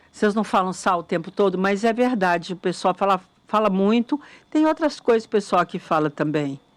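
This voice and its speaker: This is a woman speaking. Her pace is moderate. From Belo Horizonte, Brazil. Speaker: radio host. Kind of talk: casual chat.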